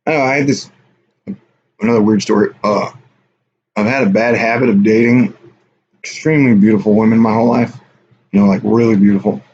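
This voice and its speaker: A man's voice: on the low side, steady tone, fairly quick, pauses often, darkish tone. Rambling man on a lo-fi livestream. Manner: rambling, offhand, reads chat aloud. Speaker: livestream host. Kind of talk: casual live stream chat with viewers. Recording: dull lo-fi stream audio with faint hiss.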